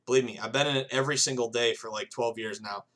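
A man in his thirties hosts a solo sports betting podcast in a loose, rambling way. He leans on fillers and restarts and keeps talking straight to his listeners as "guys". His voice sits at an ordinary pitch. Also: fairly even intonation, fast talker, a bit bright. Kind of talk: casual solo podcast monologue.

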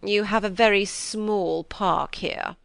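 A woman's voice: mid-range voice, fairly even intonation, creaky, dry recording, studio quality. A woman playing a haughty, imperious lady. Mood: stiff, condescending. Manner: stiff, slow and commanding.

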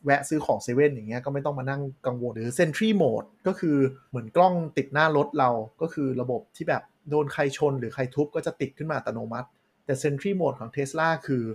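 A man co-hosting a casual tech podcast, talking in an animated, joking way with crude slang. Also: medium pitch, slightly rough. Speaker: podcast co-host.

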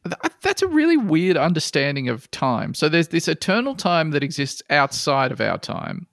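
Gravelly, lively man podcasting. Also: on the high side, moderate pace, no echo, clean studio sound. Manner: jokey, deadpan asides, frequent laughs. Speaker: podcast co-host reading listener posts. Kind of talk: casual comedic podcast chat.

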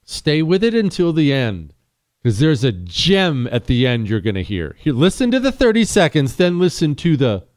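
A man hosting a call-in radio talk show, sarcastic and combative, mocking in a high voice then dropping low. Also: sing-song, moderate pace, a little mellow, no echo, clean studio sound.

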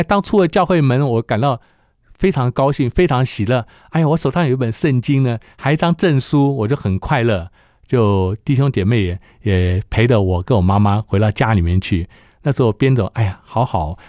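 Middle-aged man, mellow tone, dry close recording, personal testimony told as a story with acted-out dialogue. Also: medium pitch, fairly quick, no echo. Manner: storytelling that acts out the dialogue of others. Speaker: church member giving testimony.

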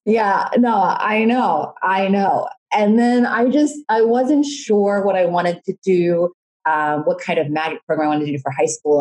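A woman's voice: fairly low pitch, darkish tone, low-quality recording. A young woman from Jamaica and Florida, a guest in a casual interview, telling her story in a rambling way with frequent laughs.

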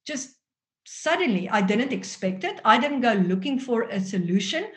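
Female interview guest, 40s, South African accent, native Afrikaans speaker, fairly high voice, earnest and expressive storyteller. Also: moderate pace. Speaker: guest, author and parenting workshop presenter.

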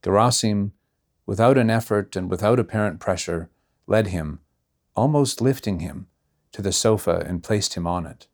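A man reading a classic novella aloud in measured, unhurried narration. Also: fairly low pitch, darkish tone. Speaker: reader. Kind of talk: audiobook narration.

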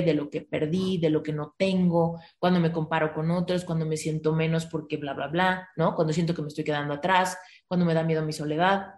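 A woman's voice: low voice, darkish tone. A Mexican woman giving emotional advice in a frank, emphatic way, swearing casually as she talks. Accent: Mexican Spanish. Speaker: author and advisor. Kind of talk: conversational advice. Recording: roomy echo.

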